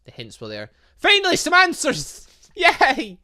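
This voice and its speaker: A man's voice: very high-pitched, wildly swooping pitch, unhurried, sharp tone. A man hosting a game playthrough, reading dialogue aloud and commenting in a theatrical, exclamatory way. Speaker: gaming video host.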